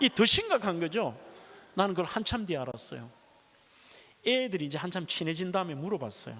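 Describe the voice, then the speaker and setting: A man talks at a fairly quick pace, his high pitch making very wide swings in a bright, sharp tone. Long pauses come often. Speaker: guest preacher at revival meeting. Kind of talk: sermon. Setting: church. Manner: animated storytelling.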